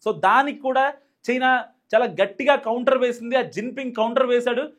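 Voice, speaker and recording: A man with a Telugu accent giving emphatic, fast-moving political news commentary, with frequent fillers and restarts. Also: very high voice, fairly even intonation, a bit bright.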